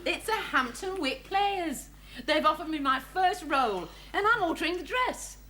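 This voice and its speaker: A sarcastic suburban wife, high and lively, bright tone. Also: female voice, normal speed, a little hiss or hum, exaggerated voice. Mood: explaining. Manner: tart, sarcastic. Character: sharp-tongued, frustrated suburban wife, middle-aged woman. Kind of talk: 1970s British sitcom acting.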